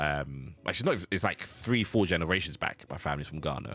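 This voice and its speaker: Pitch swings very widely as a man talks with a British accent. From UK, London. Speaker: gaming streamer. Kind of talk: live game stream chat. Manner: casual, chatty.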